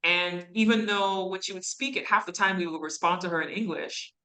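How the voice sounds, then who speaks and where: Woman from canada talking to a class, low-ish bright voice, chatty with lots of ums. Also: fairly quick, rough recording. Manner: conversational, with fillers and asides. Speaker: guest speaker. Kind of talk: answering student questions. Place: university classroom.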